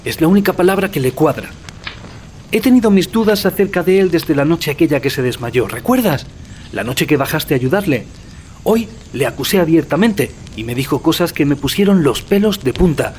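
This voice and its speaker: Casting: male actor as earnest young student, secretive and anxious, highish swooping voice, audio drama with noisy ambience. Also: expressive, normal speed, darkish tone, lightly acted. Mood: indignant.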